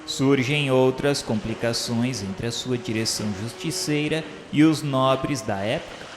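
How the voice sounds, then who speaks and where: Brazilian male narrator in echoing reverb. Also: medium pitch. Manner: formal, measured, literary delivery. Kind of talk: solemn scripted narration of a spiritist radio drama. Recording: echoey hall-like reverb with music. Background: music.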